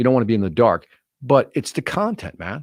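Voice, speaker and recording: The recording is very clean with a silent background and a dry, close sound with no echo. A man with an American accent talks at a fairly quick pace in a plain, everyday voice at a medium pitch. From Chicago, US. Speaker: motivational sales speaker. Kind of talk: podcast interview.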